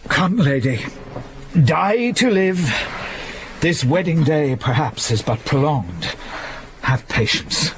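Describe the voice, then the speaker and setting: An actor playing a wise, calm friar who counsels patiently in measured, lilting Shakespearean verse with a raspy voice. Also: male voice, a little high, slight background noise, heavily acted. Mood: counseling. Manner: measured, soothing, lilting delivery.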